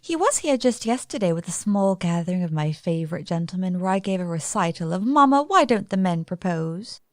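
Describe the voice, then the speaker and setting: A woman's voice: lowish voice, brisk, no echo, studio quality. A woman as bubbly, gushing young Lucy. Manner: gushing, chatty, excitable. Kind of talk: stage radio play acting.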